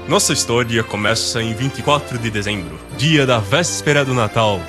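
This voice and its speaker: Brazilian male storyteller over clear music. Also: mid-range voice, normal speed. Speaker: narrator. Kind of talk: scripted radio-play narration.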